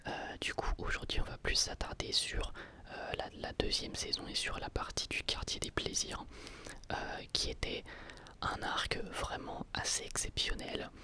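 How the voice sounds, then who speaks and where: A person giving a casual ASMR review in a soft, breathy, unvoiced whisper, hesitating and repeating words. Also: normal speed.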